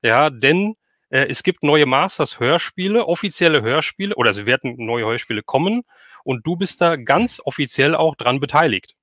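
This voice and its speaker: A man with a fairly high voice hosts a casual livestream interview. He is chatty and enthusiastic, and the sound is close and dry. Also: animated, normal speed, a bit bright, no room sound. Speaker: stream host interviewing a guest.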